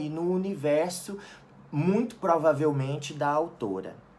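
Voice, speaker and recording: A man's fairly high voice with lively intonation, audible room echo and music in the background. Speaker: university professor. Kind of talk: lecture. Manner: halting.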